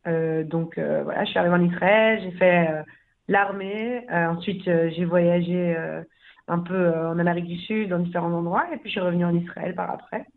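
A woman's voice: lowish voice, fairly even intonation, normal speed. Chatty woman over a phone line. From Belgium. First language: French. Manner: chatty, many fillers and restarts, laughs easily. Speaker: language school founder. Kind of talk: casual interview talk. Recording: phone-like narrow sound.

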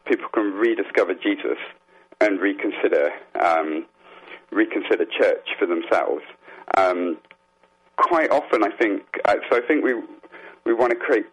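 A man speaking as an interview guest, explaining things in an earnest, reflective way and halting as he gathers his thoughts. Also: sits low, slightly rough. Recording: dull, muffled phone-like line.

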